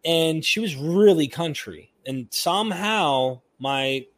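A man's voice: fairly high pitch, lively intonation, slow pace. A man from North Carolina with a mixed Southern and Northern US accent, a friendly, self-deprecating guest in a casual chat.

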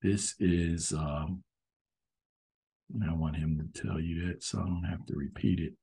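A man's voice: sits low, fairly even intonation, unhurried, vocal fry, dark tone, breathy edge. A man rambling earnestly in a casual monologue, often saying "you know", as the host of a show about history. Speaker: host commenting on history videos.

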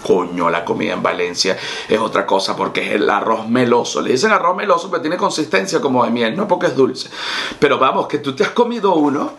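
A man hosting a podcast in casual chat, telling stories in a joking, lively way. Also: mid-range voice, a little fast, gravelly, slight background noise. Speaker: podcast host.

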